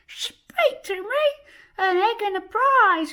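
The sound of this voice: In a put-on character voice, a man talks very slowly at an extremely high pitch.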